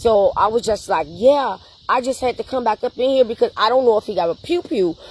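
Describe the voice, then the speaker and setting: A woman's dark, mellow tone with an American accent, ordinary pitch variation and a fairly quick pace. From Chicago, US. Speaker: vlogger. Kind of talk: casual storytelling monologue. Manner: fast.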